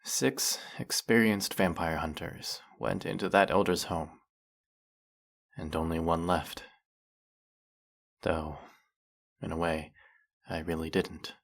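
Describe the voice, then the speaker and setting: A man playing a brooding, centuries-old vampire who hunts his own kind, speaking in a measured, dramatic roleplay monologue with a gravelly voice. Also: fairly even intonation, exaggerated voice. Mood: grim, regretful. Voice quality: gravelly, low. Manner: slow, measured, dramatic pauses.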